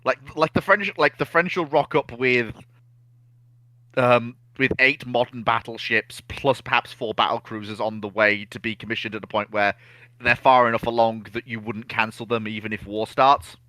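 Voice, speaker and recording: A man in a casual history chat, explaining things in an animated, opinionated way. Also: mid-range voice, moderate pace, no room sound, rough recording. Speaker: naval history discussion panelist.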